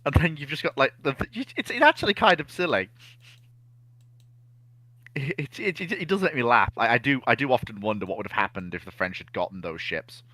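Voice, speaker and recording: A man in a casual history chat, explaining things in an animated, opinionated way. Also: medium pitch, fairly quick, no echo. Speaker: naval history discussion panelist.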